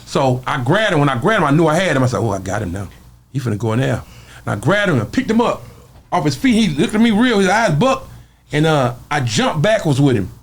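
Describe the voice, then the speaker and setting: A man's voice: fairly high pitch, sing-song, brisk. A man from the American South with a Southern Black accent, telling a story casually and colloquially, acting out what people said. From Southern US, Arkansas. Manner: acts out quoted speech, colloquial. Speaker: interview guest.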